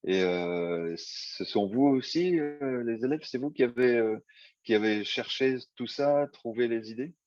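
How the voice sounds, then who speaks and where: A man's voice: mid-range voice, unhurried, darkish tone, dry recording, dull audio. A man moderating an informal question session in an encouraging way. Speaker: discussion moderator.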